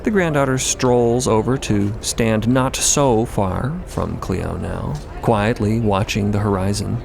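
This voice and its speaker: A man's voice: fairly low pitch, takes it slowly, creaky, a little mellow. A man delivering scripted dramatic narration as the narrator of an audio story. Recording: noticeably noisy ambient bed behind voice.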